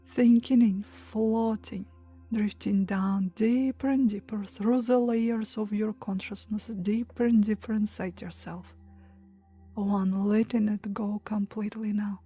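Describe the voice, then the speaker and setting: A woman leading a guided meditation in a soft, breathy, hushed and soothing voice, pausing between short phrases. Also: mid-range voice, steady tone, faint music behind. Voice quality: soft, breathy, near-whisper at times. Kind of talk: guided meditation, hypnotic relaxation countdown.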